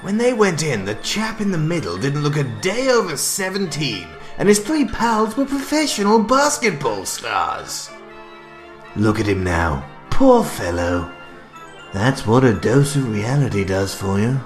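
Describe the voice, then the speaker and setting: An actor playing a theatrical, deranged clown villain in a radio drama, gleeful, mock-genteel and taunting. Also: male voice, medium pitch, sing-song, unhurried, soft background music.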